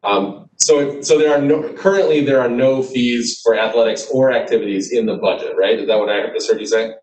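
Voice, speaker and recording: A man chairing a school board meeting, measured and formal, calling on members and checking his understanding, heard over a video call. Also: mid-range voice, a little mellow. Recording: echoey distant video-call audio.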